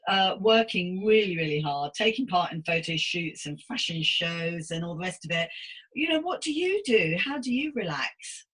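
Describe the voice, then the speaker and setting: Bright, chatty British woman hosting a podcast. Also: on the low side, expressive, moderate pace, breathy edge. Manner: chatty, rambling, self-deprecating. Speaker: podcast host. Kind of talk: casual conversational interview.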